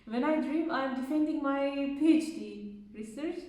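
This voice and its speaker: A woman's voice: sits high, a little slow, warm tone. A woman from Iran with an Iranian accent and Farsi as her first language, answering interview questions hesitantly as she searches for words. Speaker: interviewee, migrant researcher. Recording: very echoey room, far from mic.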